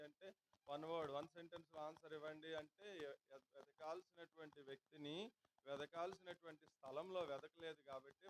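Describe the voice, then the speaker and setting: Male pastor, fairly high voice, rhetorical questions, faint noise behind. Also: rough recording. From India. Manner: asks the congregation repeated rhetorical questions. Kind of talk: sermon. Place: church hall.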